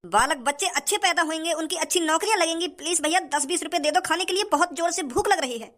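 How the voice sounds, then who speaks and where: Pleading male beggar, squeaky and whiny, as a man voices him. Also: fast, sharp tone. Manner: whining, pleading.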